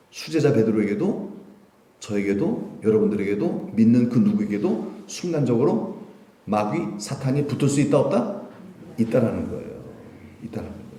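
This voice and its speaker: A male pastor preaching a Sunday sermon, animated and full of rhetorical questions to the congregation. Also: medium pitch. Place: church sanctuary. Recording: roomy church echo.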